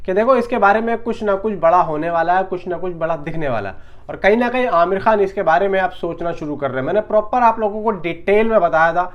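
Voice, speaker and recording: A man's voice: high-pitched, expressive, quick pace, muffled recording. A man giving casual film news commentary in a conversational, emphatic, repetitive way, talking straight to his viewers.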